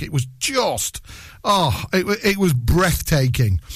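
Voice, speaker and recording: A man's animated, fairly high voice with lively intonation and a Lancashire accent. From Lancashire, northern England (Clitheroe). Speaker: local radio food show host. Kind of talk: casual chat.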